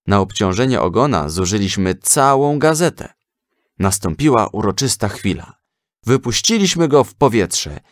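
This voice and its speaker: Eager, animated schoolboy, acted by a man. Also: on the low side, moderate pace, no echo, clean studio sound. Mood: proud, earnest. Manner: earnest, animated. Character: eager, proud young schoolboy talking to his father. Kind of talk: children's audio story.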